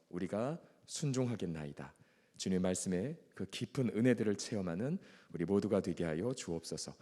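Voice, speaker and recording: Low-voiced pastor with an ailing throat. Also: male voice, dark tone. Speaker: pastor teaching a devotional class. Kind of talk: Bible lecture with reading and prayer. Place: church hall. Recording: long echoing hall reverb.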